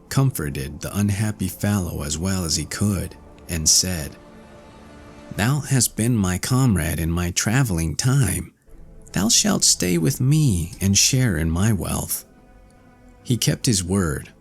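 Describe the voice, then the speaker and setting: A man with a low voice narrates a classic fairy tale as an audiobook. He reads from a script in storybook style, with faint music playing behind him. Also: breathy edge.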